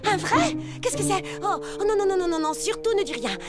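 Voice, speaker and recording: A woman voicing an excitable, self-important young girl detective in a dubbed children's cartoon, theatrical and pompous. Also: very high-pitched, fairly quick, over loud music. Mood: excited.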